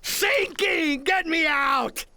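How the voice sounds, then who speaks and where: An actor playing a pushy, bumbling police captain in a cartoon, brash and loud. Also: male voice, extremely high pitch, very animated, measured pace, very noisy, exaggerated voice. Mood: panicked.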